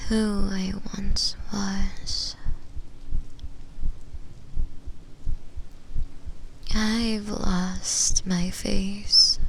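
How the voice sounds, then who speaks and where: A woman playing a lonely, possessive shadow demon in a slow, intimate ASMR roleplay, speaking in a breathy, unvoiced whisper with long pauses. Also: mid-range voice, slight background noise, low-quality recording. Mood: tender, wistful. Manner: slow, hushed, lingering delivery with long pauses.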